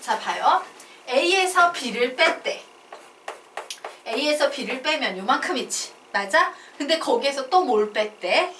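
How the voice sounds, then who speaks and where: A woman teaching a math lesson, who keeps asking questions and answering them herself in a lively way. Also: high voice, slow. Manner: animated, asks and answers her own questions. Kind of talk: classroom lecture. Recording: echoey room from far off with noise.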